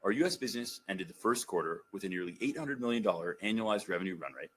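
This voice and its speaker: A man with a fairly low voice reads out a scripted financial report. He is formal, measured and businesslike, like a finance executive on an investor call, over a faintly noisy recording. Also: lively intonation.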